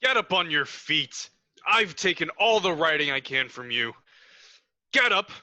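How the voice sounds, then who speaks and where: A man's voice: a little high, big pitch swings, a little slow, sharp tone, heavily acted. A man playing a defiant, threatening young gunman in a film noir radio play. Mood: furious.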